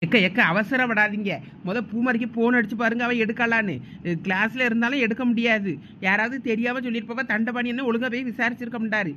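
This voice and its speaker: Performer playing a cartoon village neighbour, Thoothukudi accent, firm and scolding, bright forceful voice, faint background noise. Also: mid-range voice, fairly even intonation, fast talker, lightly acted. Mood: soothing. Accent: Thoothukudi Tamil. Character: bossy, level-headed village neighbour woman. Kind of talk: comic village cartoon dialogue.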